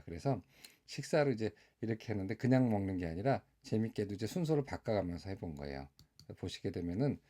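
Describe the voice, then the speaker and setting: A middle-aged man, a doctor, talks viewers through slides at an unhurried pace, pausing on small fillers. His voice sits on the low side and sounds warm and mellow rather than bright. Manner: relaxed, measured explaining with fillers. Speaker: doctor explaining diabetes care.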